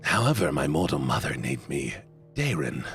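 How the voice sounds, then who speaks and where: A man voicing a smooth, flirtatious and sinister self-styled king, with theatrical, velvety courtesy, for a visual novel. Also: very deep voice, sing-song, moderate pace, fairly bright tone, faint music behind, voice pushed down, full character voice. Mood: courtly. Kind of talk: visual novel voice acting on a stream.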